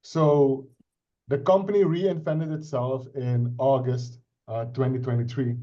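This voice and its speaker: A middle-aged man with a Dutch accent talks over a video call, explaining things earnestly, restarting his sentences and checking in with "right?" His voice sits at an ordinary pitch with a mellow, dark tone. The call audio sounds dull and lo-fi. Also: fairly even intonation, a little slow. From Suriname. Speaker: IT consultant presenting a crypto project. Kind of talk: casual self-introduction and explanation on a video call.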